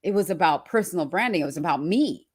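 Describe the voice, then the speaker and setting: A woman's voice: fairly low pitch, animated, quick pace, slightly rough. A woman from Trinidad and Australia giving a motivational talk as personal storytelling, emphatic and repeating phrases for effect. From born in Trinidad, raised in Australia from early childhood. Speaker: personal branding speaker.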